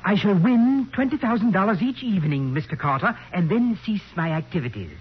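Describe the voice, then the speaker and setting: A man's voice: high voice, sing-song, a little fast, husky, full character voice. An actor playing a prim henpecked professor in his fifties, speaking formally and precisely in 1940s radio style. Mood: eager, pedantic. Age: 50s. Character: prim henpecked middle-aged male professor, naive and stubborn. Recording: muffled old radio recording with hiss.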